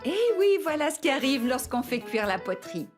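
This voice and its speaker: A woman's voice: high-pitched, very animated, a little fast. A woman playing a kindly, patient grandmother in a children's cartoon, explaining things in an encouraging way, with music behind.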